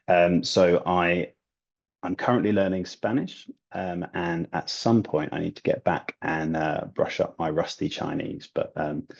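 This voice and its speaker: A man talking as a guest in a casual interview, relaxed and chatty with many ums and restarts. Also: low voice, husky, highs cut off. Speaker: guest, language learning YouTuber.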